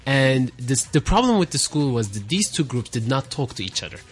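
A man's voice: mid-range voice, big pitch swings, a little fast, breathy edge, soft background music. Earnest young man explaining fluently. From Turkey. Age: young adult. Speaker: student guest. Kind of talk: studio talk show interview.

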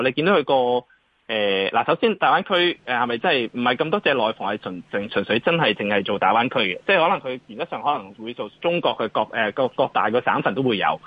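Hong kong cantonese guy doing stock analysis off the cuff, talks quick, keeps restarting, dry muffled lo-fi audio. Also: mid-range voice, breathy edge, dry recording. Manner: hesitant, repetitive, circling phrasing. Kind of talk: off-the-cuff market commentary.

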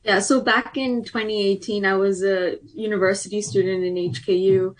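A woman's voice: mid-range voice, steady tone, normal speed, low-quality recording. A woman in her twenties from Hong Kong who talks about her advocacy work in a chatty, earnest way on a radio interview. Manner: earnest, chatty, uses "like" often. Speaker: interview guest, program alumna.

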